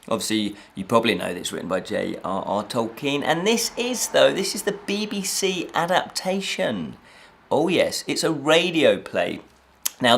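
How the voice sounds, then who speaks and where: A man hosting a fantasy review show, talking in an animated, chatty way with frequent self-corrections and rhetorical asides. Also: mid-range voice. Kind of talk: chatty unscripted review to listeners.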